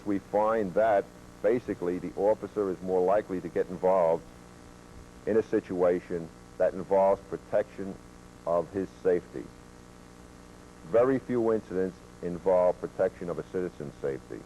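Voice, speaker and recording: A male police officer gives a training lecture, laying out statistics in a measured way with the odd filler. His voice sits low and mellow, and the muffled recording comes from a worn VHS tape copy with hum.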